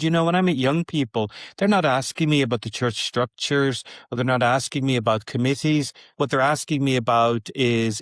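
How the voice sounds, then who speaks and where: A man hosting a podcast interview, relaxed, setting up long questions. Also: medium pitch, no echo, clean studio sound. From Ireland. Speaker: podcast host.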